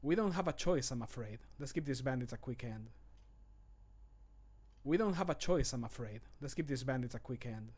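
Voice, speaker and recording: A man voicing a grim, resolute fantasy adventurer for a video game, in measured, solemn phrases that fall away at the end. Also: medium pitch, expressive, darkish tone, natural voice. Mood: solemn regret. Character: grim, resolute male fantasy adventurer who fights bandits. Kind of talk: scripted video game voice line. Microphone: close studio microphone.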